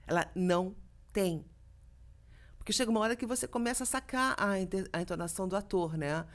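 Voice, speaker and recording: A woman's voice: mid-range voice, brisk. A middle-aged woman from Brazil, a voice actress being interviewed on a podcast, telling stories and acting out quoted dialogue. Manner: lively storytelling, acts out quoted dialogue. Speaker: voice actress, guest.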